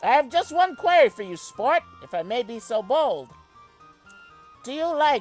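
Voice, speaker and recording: Over faint music in the background, a man in a put-on character voice speaks at a moderate pace with very wide pitch swings. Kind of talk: old-fashioned, formal, mid-century announcer style. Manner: grandiose, flowery.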